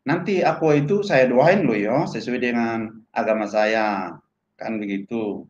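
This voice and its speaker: A man telling a personal testimony in an animated way, acting out the voices of people in his story. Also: medium pitch, unhurried. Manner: animated, acts out quoted voices. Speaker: testimony speaker. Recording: echoey, dull lo-fi room sound.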